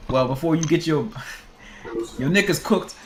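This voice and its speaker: A man doing a gruff, grumpy old merchant. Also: mid-range voice, normal speed, a loud crowd, lightly acted. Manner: gruff, keeps switching put-on accents. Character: gruff weary older male merchant, grumpy.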